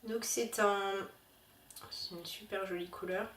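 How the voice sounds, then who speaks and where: A woman's voice: medium pitch, steady tone, measured pace, a bit bright, echoey room, recorded from a distance, slight background noise. A woman chatting casually about beauty products she bought, hesitant with many fillers. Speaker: beauty vlogger. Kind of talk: casual haul video chat.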